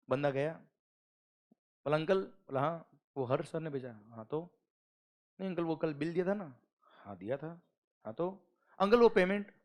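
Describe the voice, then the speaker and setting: A middle-aged man teaching a class, telling a story and acting out its dialogue. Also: on the high side.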